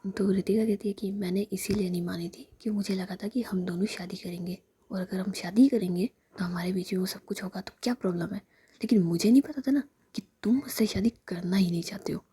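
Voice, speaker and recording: A woman telling a serialized love story in a hushed, steady whispered role-play. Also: mid-range voice, brisk, slight background noise.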